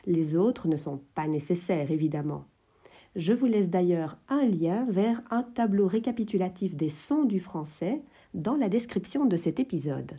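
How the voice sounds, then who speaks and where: A woman hosting an educational podcast, explaining French phonetics in a clear, measured way. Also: fairly low pitch, expressive, mellow. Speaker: French teacher, podcast host.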